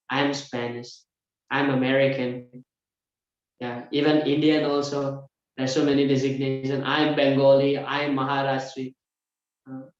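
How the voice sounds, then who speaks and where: A man teaching a scripture class, explaining verse by verse and often filling pauses with "yeah" and "uh". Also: medium pitch. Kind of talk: scripture lecture. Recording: very echoey room, dull lo-fi sound.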